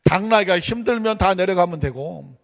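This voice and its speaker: A male pastor preaching to a congregation in a church, telling a folk story with lively swings between loud exclamations and hushed asides. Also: high voice, normal speed, gravelly. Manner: animated, swings between shouting and hushed asides, acts out villagers. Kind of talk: sermon with folksy storytelling. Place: church sanctuary. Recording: church hall with long reverb.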